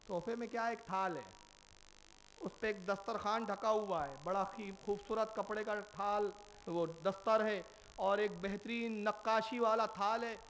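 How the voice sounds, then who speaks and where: High-voiced male preacher telling stories. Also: a little hiss or hum. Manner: animated, acting out dialogue and questioning listeners. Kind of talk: Muharram sermon storytelling.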